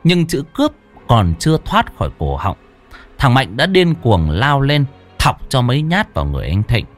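A man's voice: mid-range voice, wildly swooping pitch, moderate pace. A man narrating a ghost story in a dramatic storytelling manner. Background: faint background music.

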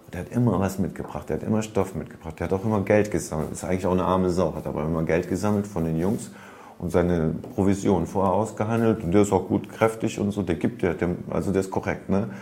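Deep gravelly man telling street stories. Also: fast, warm tone. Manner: rambling, street slang, frequent fillers. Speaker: storyteller recounting past. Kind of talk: casual spoken storytelling.

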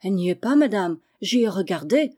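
Woman voicing a kind clever maid in an old storybook, calm and a bit sly, mellow voice. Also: medium pitch, brisk, close to an everyday voice. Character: kindly clever maidservant.

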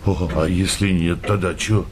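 An actor playing a rough, hard-drinking working-class husband in a radio comedy, blunt and slangy. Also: male voice, sits low, fairly even intonation, measured pace, a little mellow, slight background noise. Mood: hesitant, uneasy. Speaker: actor in a comedy audio play.

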